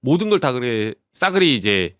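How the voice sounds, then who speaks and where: Measured male panelist asking rhetorical questions. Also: mid-range voice, big pitch swings, a bit bright, smooth, no room sound. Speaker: political panelist. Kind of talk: political talk show discussion. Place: studio.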